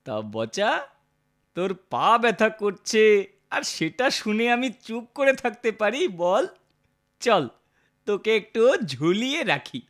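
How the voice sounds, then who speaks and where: A man's voice: high voice, sing-song, takes it slowly, fairly bright tone, exaggerated voice. A man voicing a sly, boastful teenage boy prankster in a cartoon, with a smug, mock-sweet, taunting way of talking. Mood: gloating, mocking. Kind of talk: Bengali cartoon character dialogue.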